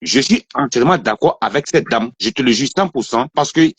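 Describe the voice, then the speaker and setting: A man's voice: medium pitch, lively intonation, brisk, husky, no echo. Insistent man calling in. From Côte d'Ivoire. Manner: insistent, repeats himself. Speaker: caller.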